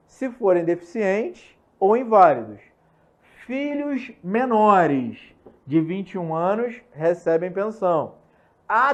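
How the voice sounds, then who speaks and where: A young man with a Brazilian Portuguese accent teaching an online law lesson, repeating key points and checking in with quick questions. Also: high voice, darkish tone. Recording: slightly muffled lo-fi recording.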